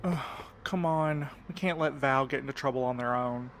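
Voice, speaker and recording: A man's voice: medium pitch, normal speed, fairly bright tone, slight background noise, natural voice. A man acting in an audio drama as a cautious, exasperated and sardonic young sleuth with a wry, insistent manner. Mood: urgent.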